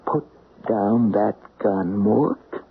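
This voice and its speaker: A man's voice: fairly low pitch, very slow, vocal fry, heavily acted. A man playing a hard, businesslike jewel thief in a radio mystery, speaking tersely and bluntly. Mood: hard bargaining. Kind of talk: old-time radio mystery acting. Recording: muffled vintage radio broadcast, faint hiss.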